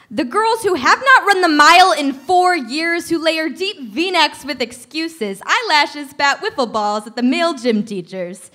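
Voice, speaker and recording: A woman's voice: high voice, sharp tone. A young woman reciting slam poetry in a pointed, rhythmic, emphatic way. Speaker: slam poet.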